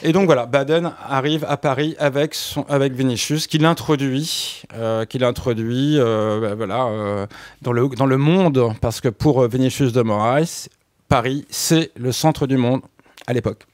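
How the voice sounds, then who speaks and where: A man speaking as a radio guest, explaining music history in a halting way, with frequent restarts and fillers. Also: mid-range voice, darkish tone, dry recording, clean studio sound. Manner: hesitant, many restarts and fillers.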